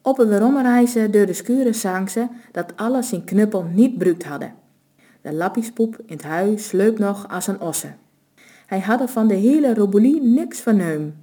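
A woman with a Low reading a story aloud in a steady, even narrating voice. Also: unhurried.

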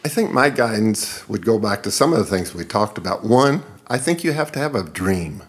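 A man's voice: lowish voice, very animated, moderate pace. A man in his seventies, a guest in an interview, speaking in an earnest, reflective way and laughing easily. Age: 70s. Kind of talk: interview conversation.

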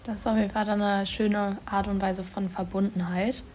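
Flat-voiced young interviewer with faint noise. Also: female voice, mid-range voice, moderate pace. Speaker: student interviewer. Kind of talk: school project interview.

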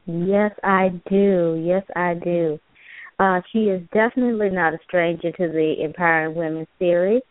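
A woman's voice: lowish voice, moderate pace, no echo. A woman hosting an online talk show, welcoming guests and chatting with an easy laugh. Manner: warm-toned welcoming host, laughs easily. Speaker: host. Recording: tinny phone line, dry.

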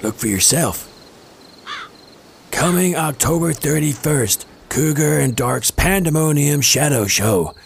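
A man's voice: on the high side, expressive, takes it slowly, vocal fry, slightly rough, full character voice. A man playing a sardonic, foul-mouthed slacker hustler with a casual, slangy, wisecracking manner in an audio drama.

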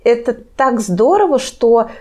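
A woman in her thirties hosting a podcast, talking in a thoughtful, agreeable way with frequent soft "mm-hm"s. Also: a little high, very animated, measured pace. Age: 30s. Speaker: podcast host and project founder. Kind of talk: casual conversational interview.

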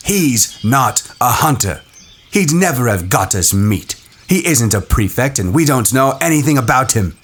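A man's voice: mid-range voice, big pitch swings, measured pace, slightly rough, pitched above the performer's own voice, full character voice. A man doing a scornful, defiant boy hunter. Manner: forceful, scornful, insistent. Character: headstrong boy hunter leader, contemptuous and defiant.

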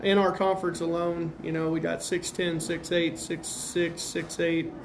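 A man with an American accent and a slightly high voice talks as a basketball coach being interviewed. His wording is plain and casual as he analyzes play. There is some noise in the recording. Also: flat delivery, unhurried. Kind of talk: interview answers, game analysis.

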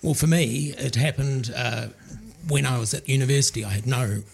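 An older man, an archaeologist, answering interview questions in a measured, thoughtful way. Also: mid-range voice, gravelly. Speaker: archaeologist guest. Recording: faint background noise.

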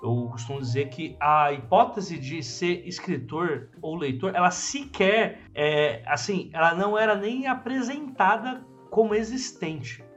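A man with a Brazilian accent hosting a casual podcast conversation, animated and slangy, with ironic asides. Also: sits high, measured pace, hardly any pauses. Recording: dull lo-fi audio with faint music.

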